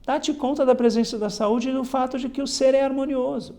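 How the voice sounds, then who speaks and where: Mellow-voiced man teaching scripture. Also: extremely high pitch, steady tone, fairly quick, vocal fry. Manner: reflective, repeats "né?" often, reads passages then explains. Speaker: Bible lesson teacher. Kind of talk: spoken Bible lesson commentary.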